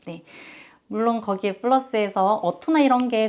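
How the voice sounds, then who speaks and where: This woman speaks with a Daegu accent. She keeps a moderate pace. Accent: Daegu dialect intonation, still present. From Daegu, Gyeongsang, South Korea. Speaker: counselor and YouTuber. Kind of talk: advice talk to camera. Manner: strong, forceful way of speaking.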